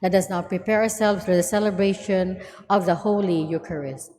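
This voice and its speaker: A woman's voice: on the low side, fairly even intonation, fairly quick, a little mellow. A woman lector reads a list aloud in a church. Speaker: lector reading Mass intentions. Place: large reverberant church. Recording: reverberant hall, long echo tail.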